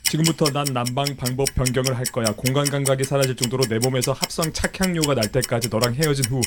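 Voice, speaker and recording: A man, an announcer candidate, slightly hoarse from a cold, reading a tongue twister rapidly. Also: medium pitch, heavy background noise.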